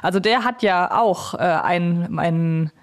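A woman's voice: lowish voice, takes it slowly. A woman hosting a podcast, interviewing in an informal, conversational way with rambling, self-correcting questions. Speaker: podcast host.

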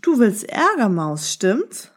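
A woman's voice: mid-range voice, sing-song, slow, husky, exaggerated voice. A woman voicing a big, sly male fox who teases with mocking questions in a storybook. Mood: teasing.

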